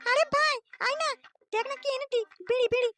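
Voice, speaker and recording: Squeaky, cheeky little cartoon boy. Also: steady tone, a little fast, bright, forceful tone, faint music behind. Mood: cheeky, boastful. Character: cheeky, boastful, foul-mouthed little boy in a comedy cartoon. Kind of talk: comic cartoon dialogue.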